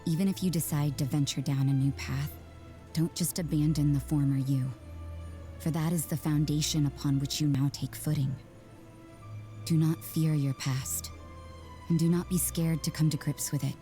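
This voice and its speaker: An actress voicing a cool, jaded young nun who works in the shadows, in measured, blunt, unsentimental game dialogue. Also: female voice, low voice, fairly even intonation, mellow, close to an everyday voice. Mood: solemn, reflective. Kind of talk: scripted game character voice lines. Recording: background music under the voice.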